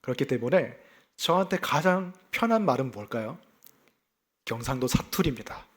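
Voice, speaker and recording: A male pastor from South Gyeongsang with a faint Gyeongsang accent, giving a sermon in a lively, conversational way. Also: mid-range voice, normal speed. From South Gyeongsang, South Korea. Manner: lively, conversational preaching with self-deprecating laughs.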